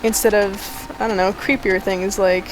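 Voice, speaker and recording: A woman's voice: medium pitch, little pitch movement, moderate pace, noisy background. A woman co-commentating on a video game in casual chat, wry and full of questions. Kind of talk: casual let's play chat. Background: video game music.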